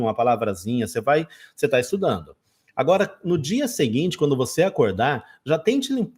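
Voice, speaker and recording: Male English teacher from Brazil, casual lesson, mid-pitched, conversational, acts out examples. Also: darkish tone. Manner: chatty, talks straight to viewers, acts out his own learner self.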